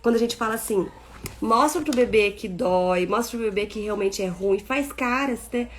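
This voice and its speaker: A woman's voice: mid-range voice, a little fast. A Brazilian woman in her thirties leading an online parenting book study, reading passages aloud and explaining them with playful asides. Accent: Brazilian Portuguese. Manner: reads a passage, then comments warmly with playful baby-talk asides.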